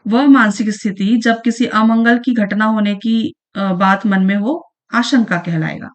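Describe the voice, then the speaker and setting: A woman's voice: medium pitch, steady tone, unhurried. A woman teaching an online exam-prep lesson, patiently repeating each definition and checking in with the listener as she goes. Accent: Chhattisgarhi Hindi. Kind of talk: online lesson going through past exam questions.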